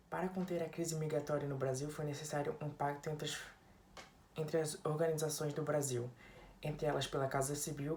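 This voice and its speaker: A woman's voice: deep voice, darkish tone. A woman reading a prepared presentation, stopping on slipped words and starting them again. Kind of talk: read-out presentation. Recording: distant, echoey room with faint noise.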